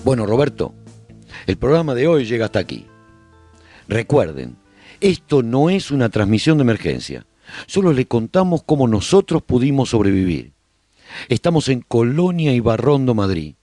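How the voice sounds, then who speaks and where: A survivor telling his story on a radio drama, husky, reflective, very close dry sound, melodic delivery. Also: mid-range voice, big pitch swings, normal speed, mellow, no room sound, soft background music. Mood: signing off. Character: male survivor broadcasting calm recollections of post-apocalyptic colony life. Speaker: narrator of a radio serial. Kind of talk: scripted first-person radio drama narration.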